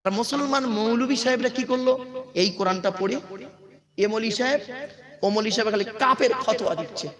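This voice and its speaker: A man's voice: very high voice, brisk. A man preaching at a religious gathering, emphatic, quizzing the crowd and calling out to his listeners. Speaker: Islamic preacher and school teacher. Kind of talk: Bengali waz sermon to a crowd. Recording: crowd noise behind.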